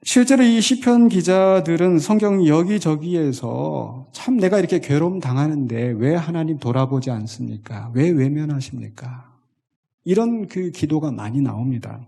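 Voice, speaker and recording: Animated Korean preacher, lively voice. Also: male voice, on the high side, creaky. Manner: animated preaching, reads scripture slowly and with feeling. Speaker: pastor. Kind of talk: sermon.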